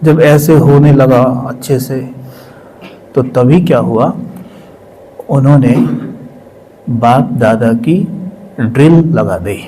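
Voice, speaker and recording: A male spiritual speaker telling a personal testimony with emotion, sometimes dropping to a hush. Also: mid-range voice, slow pace, pauses often, a little hiss or hum, rough recording. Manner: emotional, drops to hushed tones for quoted voices.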